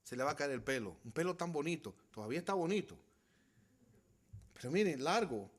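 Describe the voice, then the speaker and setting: Fairly high-pitched and expressive, a middle-aged pastor preaches at a fairly quick clip. His sermon alternates between loud exhortation and hushed storytelling, and he addresses the congregation as brothers.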